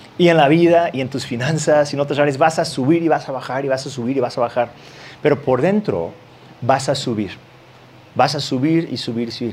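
A man with a fairly high pitch and an unremarkable speaking voice talks at a moderate pace, with ordinary pitch variation. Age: 40s. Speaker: pastor. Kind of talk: sermon.

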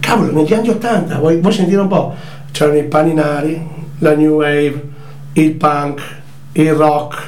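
Noticeable background noise and audible room echo surround a man talking at a fairly slow pace. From Veneto, northern Italy (Schio). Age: 50s. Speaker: DJ. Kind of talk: casual interview. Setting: live radio broadcast.

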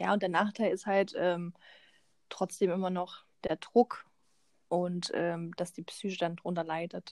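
A woman with a fairly low pitch speaks in a monotone, flat way at a fairly slow pace with long, frequent pauses, in a very clean recording with a silent background and a dry, close sound with no echo. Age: 20s. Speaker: podcast co-host, office worker. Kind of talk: casual chat.

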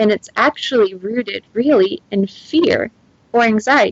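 The woman's voice sits at a fairly high pitch and shows ordinary pitch variation. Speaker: camp worker, guest. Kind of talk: casual conversation, interview.

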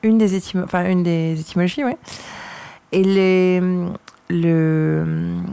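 A woman speaks at a very slow pace with fairly even intonation. She leaves long, frequent pauses. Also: fairly low pitch for a woman, very even loudness. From Luxembourg. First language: Moroccan Arabic (speaking French). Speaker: novelist. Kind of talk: interview.

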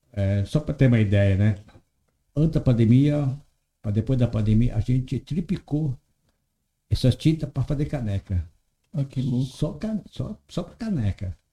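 A man's dark, mellow, somewhat breathy voice at medium pitch, with lively intonation, a moderate pace and long, frequent pauses. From rural Brazil, moved to Guarulhos. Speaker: business owner. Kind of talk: casual interview.

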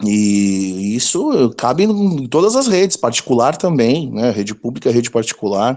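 This man has a normal speaking voice at a medium pitch. He talks at a moderate pace with ordinary pitch variation. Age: 30s. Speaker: geography teacher. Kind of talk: panel discussion.

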